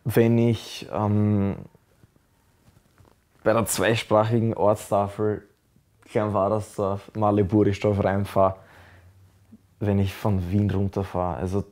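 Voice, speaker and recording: A young Austrian man from Burgenland talking casually and reflectively, halting as he searches for words. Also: lowish voice, level tone, darkish tone. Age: young adult. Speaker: interviewee.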